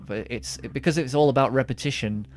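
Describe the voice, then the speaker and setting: A man rambles through a casual podcast chat, doubling back on his words and padding them with ums and uhs. His pitch sits right in the middle of the male range, and his delivery stays relaxed and conversational. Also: quick pace. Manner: rambling, many restarts and fillers. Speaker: podcast co-host.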